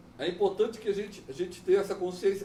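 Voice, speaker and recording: With audible room echo, a man speaks in a dark, mellow tone and ordinary pitch variation. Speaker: pastor. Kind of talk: sermon.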